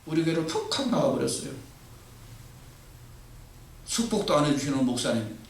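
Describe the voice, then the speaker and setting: Animated middle-aged preacher in an echoey church. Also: male voice, a little high, moderate pace, gravelly, slight background noise. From Korea. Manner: lively, acts out dialogues, leads reading. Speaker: pastor. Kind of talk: sermon. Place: church sanctuary. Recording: echoey church hall mic from a distance.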